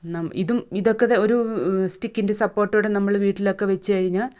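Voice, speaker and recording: A woman's voice: medium pitch, quick pace, a little mellow. A woman, talking through her home plant sale in a plain, chatty way with many fillers and restarts. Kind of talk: casual plant sale vlog.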